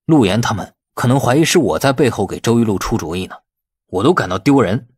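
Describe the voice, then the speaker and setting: A man's voice: medium pitch, animated, fast, breathy edge. A man voicing a brash, irritable, defensive man who grumbles colloquially in an audiobook. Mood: irritated. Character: brash, irritable man in a family inheritance feud. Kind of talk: audiobook character acting.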